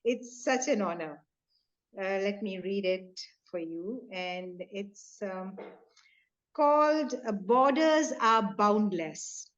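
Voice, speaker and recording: This poet guest, a middle-aged native Punjabi speaker from north India, talks in Indian English over a casual video call full of fillers and soft laughs. Her mid-range voice is expressive, slow, and fairly bright, though the lo-fi call audio sounds dull.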